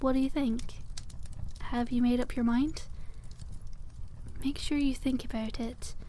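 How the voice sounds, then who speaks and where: A woman voicing a cute, friendly witch shopkeeper in a soft-spoken ASMR roleplay, explaining things with gentle enthusiasm. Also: sits high, steady tone, a little slow, slight background noise. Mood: kindly, encouraging.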